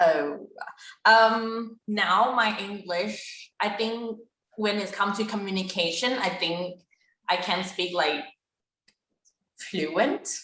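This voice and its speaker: With a Thai accent, a woman speaks at a very slow pace with long, frequent pauses. Her medium-pitched voice is bright and sharp, with ordinary pitch variation. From Thailand. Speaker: teaching assistant. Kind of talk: interview. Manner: halting.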